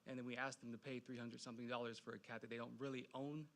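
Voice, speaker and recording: Male staffer, brisk delivery, mid-pitched, explaining a program to a council. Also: little pitch movement, a bit bright. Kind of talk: explaining a program at a public meeting.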